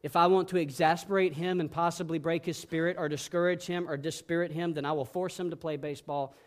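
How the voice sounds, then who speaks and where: A middle-aged male pastor preaching a sermon in an earnest way, swinging between hushed, gentle passages and emphatic ones. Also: fairly high pitch, fairly even intonation, quick pace.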